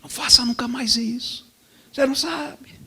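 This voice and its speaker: A man's voice: very high voice, steady tone, normal speed, gravelly, sharp tone, slightly rough, pitched above the performer's own voice, full character voice. A man voicing an angry neighbor who scolds sharply.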